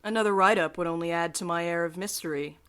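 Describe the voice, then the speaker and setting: A woman playing a wry, defiant night courier in an audio drama, with a dry, deadpan manner. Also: lowish voice, fast, clean tone, close to an everyday voice. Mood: dry, teasing. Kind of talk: audio drama acting and narration.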